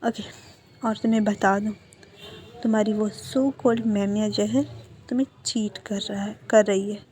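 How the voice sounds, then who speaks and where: A woman's voice: mid-range voice, flat delivery, unhurried, warm tone, lightly acted. Woman voicing an angry protective young friend. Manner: scolding, heated. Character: hot-tempered young male best friend, protective.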